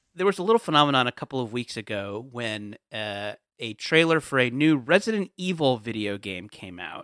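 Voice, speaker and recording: A man with a bright, sharp tone talks at a medium pitch and a fairly quick pace, with hardly any pauses. His pitch swings very widely in a dry, close recording with no echo. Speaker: comedian. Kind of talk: casual comedic chat. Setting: video call.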